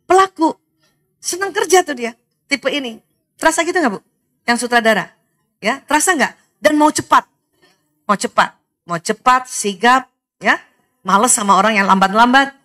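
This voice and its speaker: A middle-aged woman lecturing to mothers in a lively seminar talk. She laughs often and keeps asking the audience questions. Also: on the high side.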